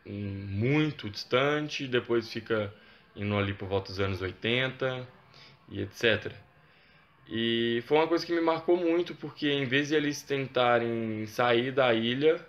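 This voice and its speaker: A man's voice: mid-range voice, fairly bright tone, dull audio. A young man talking casually as a fan, rambling a bit with fillers, recorded on a phone camera. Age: young adult. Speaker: interviewed fan. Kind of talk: casual testimonial.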